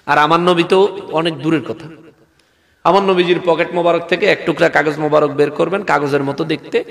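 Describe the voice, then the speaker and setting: A Bangladeshi man preaches in a regional Bengali accent, pitched a little high, with a gravelly rasp. He keeps prompting his listeners to answer back. His voice rings out with long reverb, as in a big hall. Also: fairly even intonation, brisk. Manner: calls on the crowd to respond. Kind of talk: animated sermon with dramatized quotes.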